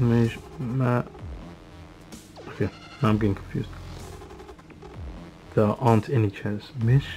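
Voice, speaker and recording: Young guy vlogging his language practice, lowish voice, stops and fixes himself a lot, faint music behind. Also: low-quality recording. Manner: halting, repeats and self-corrects while practising phrases. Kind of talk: casual self-study vlog. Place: small room with curtain backdrop.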